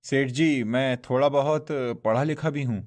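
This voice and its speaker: A man's voice: medium pitch, moderate pace, lightly acted. A man voicing an honest, poor young man in a cartoon, talking earnestly and pleadingly. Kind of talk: Hindi cartoon voice acting.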